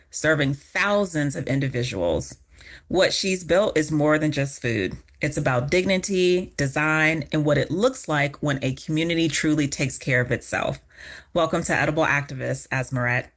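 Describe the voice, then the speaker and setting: A woman's voice: sits low, moderate pace. A woman hosting a podcast, reading a scripted intro and then chatting casually with her guest in an upbeat way. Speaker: podcast host.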